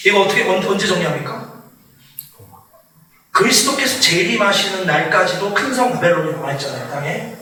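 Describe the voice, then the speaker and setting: A man preaching as a missionary, lively and laughing, acting out quoted voices. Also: sits high, fairly quick, pauses often, slight background noise. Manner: animated, acts out quoted voices, laughs often. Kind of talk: sermon lecture. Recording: echoey hall, far from mic.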